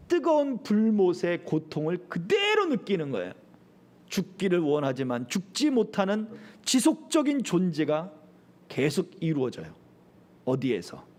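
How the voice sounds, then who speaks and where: A middle-aged man preaching a sermon as pastor, animated, acting out quoted voices as he goes. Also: sits high.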